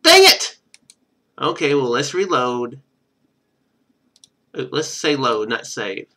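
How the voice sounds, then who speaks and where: A man's voice: mid-range voice, wildly swooping pitch, takes it slowly, sharp tone. A man streaming a game, reading its text aloud and thinking through it in casual commentary. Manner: thinks aloud while playing.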